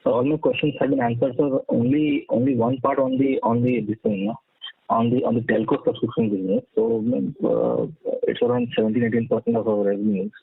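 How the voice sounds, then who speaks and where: A man's voice: mid-range voice, huge pitch swings, brisk, gravelly, husky, no echo. A man with an Indian accent asking questions as an analyst on an earnings call, hesitant and rambling. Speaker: financial analyst caller. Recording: tinny phone line.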